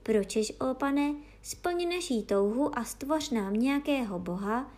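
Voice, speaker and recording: A woman voicing the oldest dog, an old wise male dog who talks in a solemn, slow, reverent way. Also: high-pitched, animated, darkish tone.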